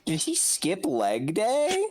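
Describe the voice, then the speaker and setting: A man's voice: high-pitched, wildly swooping pitch, slow pace, a little mellow. A man playing a tabletop game, chatting casually and jokingly.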